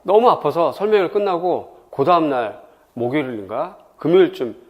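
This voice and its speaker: A man's voice: fairly high pitch, normal speed, highs cut off. A middle-aged man from Seoul giving an exam prep info session, chatty and full of personal stories. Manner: lively, chatty, tells personal anecdotes. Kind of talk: admissions info session lecture.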